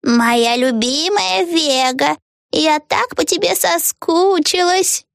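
A woman's voice: high-pitched, animated, no echo, clean studio sound, pitched above the performer's own voice. Woman voicing a sugary scheming old witch. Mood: sugary sing-song. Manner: drawn-out, sing-song, fake tender. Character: scheming old female witch, falsely sweet.

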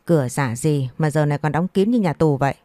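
Woman doing a loud nagging mother-in-law. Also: low-pitched, a little fast, no echo, lightly acted. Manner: loud, scolding.

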